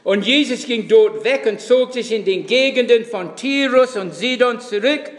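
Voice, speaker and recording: High-voiced guy preaching slow in a church, lots of echo. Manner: emphatic, repeats key phrases. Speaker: pastor. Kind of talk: sermon. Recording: echoey church hall.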